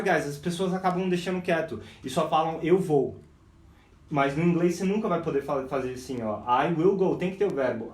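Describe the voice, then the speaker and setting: A man with a Brazilian Portuguese accent teaching English in a live online lesson, energetic, calling out "guys" and slowly drilling example phrases. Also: high voice, reverberant, distant mic.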